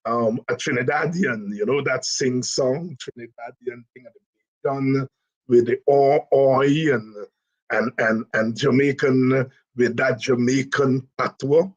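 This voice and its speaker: Slow-talking Guyanese man. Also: mid-range voice, steady tone, lo-fi sound. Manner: unhurried, musing, with many fillers and restarts. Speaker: host. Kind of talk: casual political commentary.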